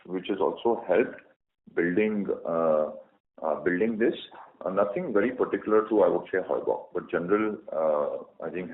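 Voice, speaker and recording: A man with an Indian accent answering as a company executive on an earnings call, halting and hesitant as he explains. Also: low-pitched. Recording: echoey, muffled conference phone line.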